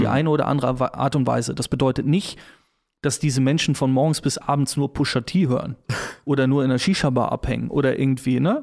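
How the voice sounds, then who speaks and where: A man with a plain, everyday voice speaks fairly quickly at a medium pitch, his intonation fairly even. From Germany, Cologne. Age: 30s. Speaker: hip-hop business consultant, company founder. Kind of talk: podcast interview. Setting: studio.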